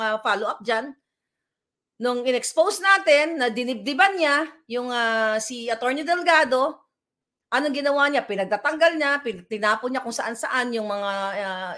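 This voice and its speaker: A woman's voice: sits high, sharp tone. A woman, vlogging from home in a combative, scornful political rant that mixes in English.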